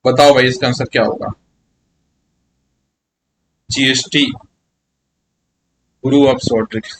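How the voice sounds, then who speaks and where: A man's voice: medium pitch, steady tone, slow pace, slight background noise. A man teaching a live online maths class, coaxing his students along and often checking if they follow. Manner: chatty, coaxing, keeps asking students "yes or no?".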